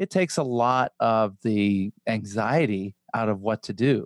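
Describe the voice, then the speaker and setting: A man has an ordinary speaking voice with a medium pitch and ordinary pitch variation, heard with a dry, close sound with no echo against a quiet background. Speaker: financial advisor and radio host. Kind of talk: radio talk show discussion on retirement. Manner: warm, upbeat, explanatory.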